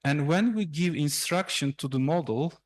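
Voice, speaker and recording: In a lecture room, a young adult Turkish-native man delivers an academic seminar talk, walking through slides. His slightly high, expressive voice moves hesitantly, broken up by fillers and false starts.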